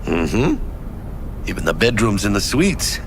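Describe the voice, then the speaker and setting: An actor playing a breezy streetwise mercenary sidekick with a Latino American accent, in slangy, animated video game dialogue. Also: male voice, on the low side, slow pace, background noise, full character voice. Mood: teasing.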